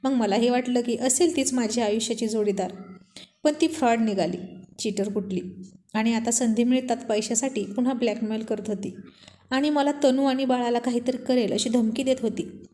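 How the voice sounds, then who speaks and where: A woman voicing a self-assured young husband in a storybook reading, speaking in a relaxed, teasing way. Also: on the high side, moderate pace, natural voice. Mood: explaining.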